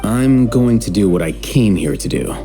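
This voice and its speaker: A man voicing an aloof, deadpan young male scholar in a game, with curt, dry replies. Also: on the low side, moderate pace, close to an everyday voice. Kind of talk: game dub acting. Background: game music.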